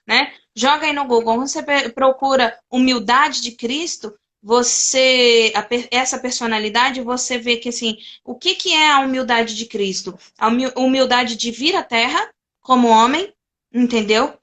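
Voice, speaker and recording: High-voiced woman retelling Bible stories. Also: normal speed, fairly bright tone. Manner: retells scripture with acted quotes, many restarts. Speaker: participant in a Bible discussion. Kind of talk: casual devotional chat.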